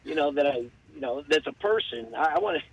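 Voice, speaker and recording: A man in his sixties calling in to a radio show, rambling and halting with many fillers. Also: a little high, expressive, creaky, no room sound, highs cut off. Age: 60s. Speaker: caller. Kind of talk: phone-in chat.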